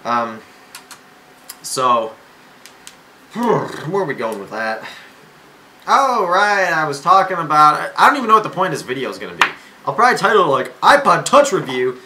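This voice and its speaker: Rambling, lively young man vlogging. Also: on the high side, normal speed, long pauses, a little hiss or hum, low-quality recording. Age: young adult. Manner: rambling and self-interrupting, with many fillers and restarts; jokey and self-mocking. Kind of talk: casual rambling to camera. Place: home room. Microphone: camera mic.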